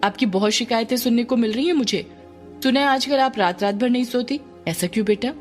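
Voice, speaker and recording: A woman voicing a police officer mother who speaks gently and soothingly to her small daughter. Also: on the high side, fairly quick, faint music behind, pitched above the performer's own voice, natural voice. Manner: soothing, then sharp. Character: police officer mother, firm but tender.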